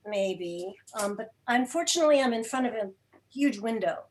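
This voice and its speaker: A mature woman speaking reflectively as an interview guest on a video call, articulate, with thoughtful pauses mid-sentence. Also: fairly high pitch, animated, slight background noise. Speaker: interview guest, theater podcast producer. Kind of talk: reflective conversational talk. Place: indoor room, video call.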